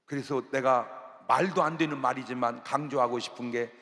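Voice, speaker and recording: A man's voice: medium pitch, normal speed. A man preaching a sermon as a pastor, telling stories with humor and acting out the quotes. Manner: humorous, animated storytelling with acted-out quotes. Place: large church sanctuary. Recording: long reverb of a large church hall.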